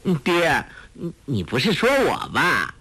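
Male narrator doing a cheeky teen girl, bubbly and coaxing, husky, lively swoops. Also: unhurried, heavily acted. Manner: bubbly, coaxing, high and bright. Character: playful clever teenage girl, cheeky and affectionate.

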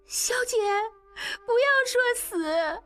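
A woman's voice: very high voice, animated, takes it slowly, fairly bright tone, soft background music, voice pushed up, full character voice. A woman voicing a devoted young maid who pleads tearfully. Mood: tearful, pleading.

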